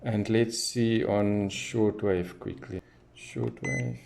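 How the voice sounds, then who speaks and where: A man's voice: lowish voice, very animated, slow pace, vocal fry, background noise. A man giving casual hands-on commentary as a radio hobbyist, thinking aloud as he tests. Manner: unscripted, thinking aloud while testing.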